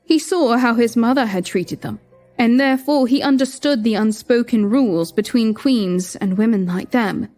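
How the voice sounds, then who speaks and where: A young woman narrating in first person as a queen, measured and reflective. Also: a little high, a little mellow. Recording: music bed behind.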